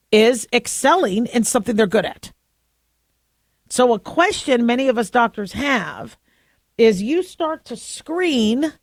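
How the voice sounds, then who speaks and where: Deep-voiced woman radio host. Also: no echo. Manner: conversational, halting with many restarts. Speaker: radio talk show host. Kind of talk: opinionated talk radio monologue.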